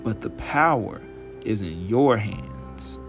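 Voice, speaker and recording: A male podcast host talking alone in a casual, chatty way, blunt and profane, his voice hoarse and raspy from a dry throat. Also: fairly low pitch, expressive, takes it slowly, over music. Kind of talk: casual solo podcast monologue.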